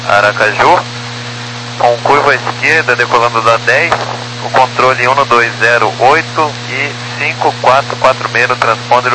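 A man speaking as a pilot over radio, giving clipped, procedural readbacks. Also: medium pitch. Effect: radio transmission. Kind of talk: air traffic radio readbacks. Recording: very noisy aviation radio with hum.

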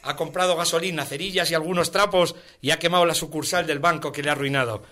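Bright-voiced man reciting. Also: on the high side, fairly even intonation, fast talker. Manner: rhythmic, emphatic recitation with colloquial clipped words. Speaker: comedian guest. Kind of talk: rhyming satirical poem recital and radio banter.

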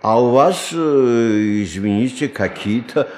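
An actor playing a skeptical, condescending bank official in an audio drama, measured, polite and sardonic. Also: male voice, mid-range voice, animated, darkish tone. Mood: fussy, polite. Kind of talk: theatrical audio drama acting.

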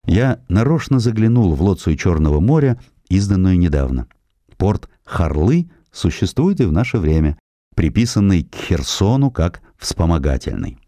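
A man reading a scripted historical narrative as an audiobook narrator, in an expressive, measured storytelling manner. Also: low-pitched, dry recording.

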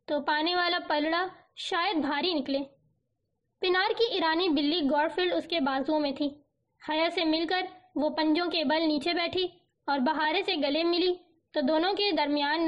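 A woman narrating a novel as an audiobook, with a steady, even storytelling delivery. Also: very high voice. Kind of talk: scripted novel reading. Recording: dull lo-fi recording.

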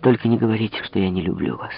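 A man voicing a young king, torn and helpless, speaking low and hushed, on a dull lo-fi recording. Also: racing, gravelly, husky. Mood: anguished. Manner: soft, hushed.

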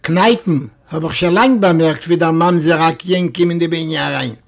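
Man, high voice, reading a classic story aloud, expressive storytelling, animated exclamations. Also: normal speed, gravelly. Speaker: reader.

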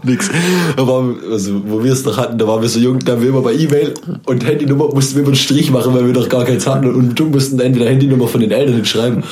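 A man's voice: medium pitch, fairly even intonation, racing, few pauses, warm tone. Young man chatting casually in youth slang. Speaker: podcast guest and intern. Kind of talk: casual podcast chat.

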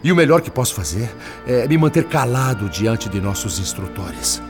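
A man's voice: medium pitch, sing-song, moderate pace, close to an everyday voice. A man with a Brazilian Portuguese accent playing a troubled spirit father who earnestly confesses his struggle in a radio drama. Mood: earnest, anguished. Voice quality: earnest, pleading. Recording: radio play with faint music.

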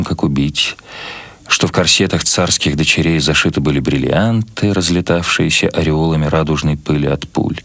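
A man reading literary prose as a scripted narration, in a measured, expressive storytelling manner. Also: extremely low pitch, dry recording. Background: music.

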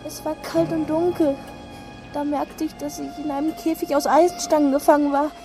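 A man's voice: very high-pitched, little pitch movement, normal speed, over music. An actor voicing a frightened young boy in a German radio drama, recounting a witch encounter. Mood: fearful recounting. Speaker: child character Jeremy.

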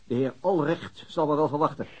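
An actor playing a weary middle-aged city detective, hesitant and understated, in a naturalistic radio drama. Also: male voice, on the high side, brisk, darkish tone, muffled recording, slight background noise, close to an everyday voice. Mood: wry, low-key.

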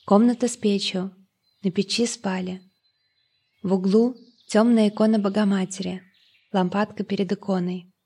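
A woman reading an audiobook in a calm, measured first-person narration. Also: medium pitch, husky.

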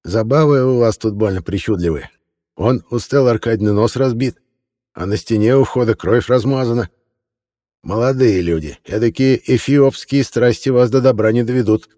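A man voicing a sly, fussy old male antiquarian who speaks in a drawn-out, mock-kindly grandfatherly tone. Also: mid-range voice, warm tone, long reverb tail, voice pushed up, natural voice. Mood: ironic. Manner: slow, drawn-out, grandfatherly scolding tone.

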